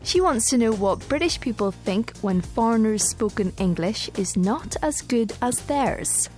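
A woman from Northern Ireland with a Northern Irish accent, co-hosting an English learning programme in clear, explanatory scripted speech. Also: a little high, animated, a little slow, darkish tone, faint music behind. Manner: clear, explanatory, asks co-host questions. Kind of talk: scripted educational presenting.

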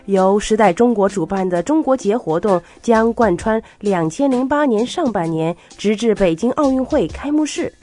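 A woman co-hosting a language lesson, explaining words clearly in a scripted style. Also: medium pitch, lively intonation, normal speed, few pauses, dark tone, soft background music. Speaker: co-host explaining words in Chinese. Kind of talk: scripted bilingual lesson presenting.

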